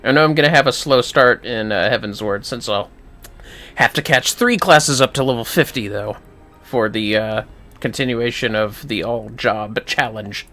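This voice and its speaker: A man's voice: mid-range voice, normal speed, sharp tone, soft background music. A man giving casual livestream commentary on a game, chatting in informal asides with some swearing.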